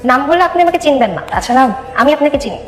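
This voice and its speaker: A woman's voice: sits high, animated, very fast, soft background music. An actress playing a scheming young ex-girlfriend who taunts her rival, in a melodramatic drama. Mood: sly. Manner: sly, taunting. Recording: echoey room with long reverb.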